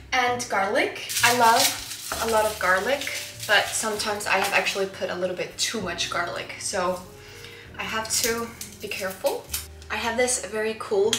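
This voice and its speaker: The recording sounds roomy, capturing a woman's medium-pitched voice. She's an Icelandic lifestyle vlogger in her twenties, cooking in a small home kitchen and chatting with enthusiasm, full of "like" and "honestly."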